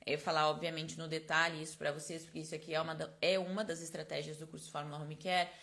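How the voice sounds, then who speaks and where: A woman, her voice sitting a little low, speaks close to the microphone as she teaches a live online class. She talks in a chatty, explanatory way, checking in with her listeners after almost every point. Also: little pitch movement, quick pace, gravelly, a bit bright. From Brazil. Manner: chatty, explanatory, constant tag questions. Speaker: esthetics course instructor. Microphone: close personal microphone.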